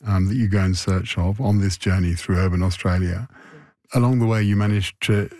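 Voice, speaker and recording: A man hosting an interview, asking reflective questions in a conversational way with halting restarts. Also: sits low, fairly even intonation, dark tone, no echo, clean studio sound. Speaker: interviewer host.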